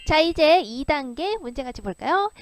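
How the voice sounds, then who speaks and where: Bright-voiced woman teaching a grammar lesson. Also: high-pitched, moderate pace, no room sound, soft background music. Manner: lively, asks and answers her own questions. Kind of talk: grammar lesson explaining exercises.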